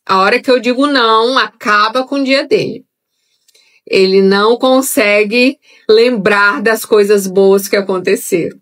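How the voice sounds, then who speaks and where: Speaking straight to her audience, a young adult Bible teacher guides a live-streamed Bible study in a conversational manner. She talks a little slowly in a medium-pitched, slightly bright voice.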